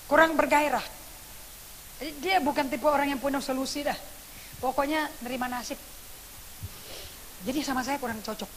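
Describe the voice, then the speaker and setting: A woman pastor, preaching a sermon and telling a story in an animated way, acting out what people said. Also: high voice, normal speed, pauses often. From Indonesia. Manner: animated storytelling with acted quotes. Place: church. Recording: long reverb church hall with faint hiss.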